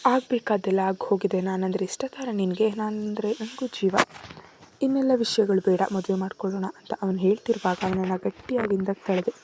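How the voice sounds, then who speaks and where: A woman's voice: mid-range voice, brisk, a little mellow, a little hiss or hum. A woman telling a romance story in the first person, earnest and emotional.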